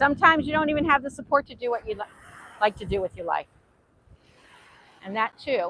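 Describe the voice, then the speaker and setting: In a dry, close recording with no echo, a woman uses a raised, projected voice at a high pitch and a very fast pace, with very wide pitch swings and long, frequent pauses. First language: Hungarian. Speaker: real estate agent and author. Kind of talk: live-stream talk on faith-based parenting. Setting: outdoors on a beach.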